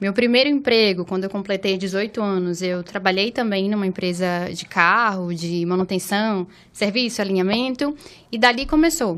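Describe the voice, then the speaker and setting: Moderately paced, a woman speaks at a medium pitch with ordinary pitch variation. Hers is an unremarkable speaking voice. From Brazil, Maranhão (São Luís). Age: 30s. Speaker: car dealership sales manager. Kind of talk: podcast interview.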